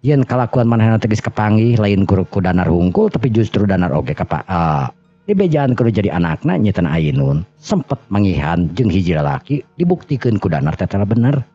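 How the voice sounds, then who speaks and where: Deep-voiced Sundanese man telling a story. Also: big pitch swings, mellow, no room sound. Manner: halting, repetitive, self-correcting. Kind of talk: informal oral storytelling narration. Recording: dull lo-fi audio under music. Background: background music.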